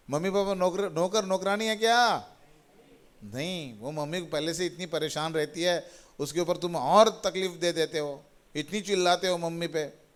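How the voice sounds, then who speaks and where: A man's voice: fairly high pitch, a little slow. A middle-aged man preaching a sermon as a pastor, repeating phrases and calling out hallelujah to the congregation. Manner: repetitive, exhorting, calls out hallelujah.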